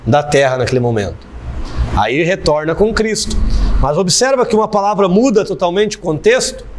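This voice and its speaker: A man's voice: sits high, animated, moderate pace, a little hiss or hum. A man teaching a theology class, explaining step by step and repeating key phrases for emphasis. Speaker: theology professor. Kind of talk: classroom lecture.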